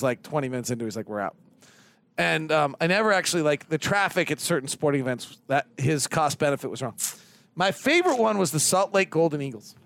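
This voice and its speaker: Gravelly man riffing in a studio. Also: fairly high pitch. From California. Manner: animated, joking, storytelling. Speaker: sports radio co-host. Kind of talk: postgame analysis chat. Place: closed studio near an arena.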